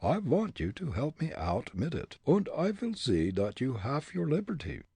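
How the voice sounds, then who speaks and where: Man doing a German-accented comic detective, husky, lively pitch. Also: moderate pace, no room sound, heavily acted. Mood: scheming. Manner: broken English, muttering. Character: comic German immigrant male detective, scheming.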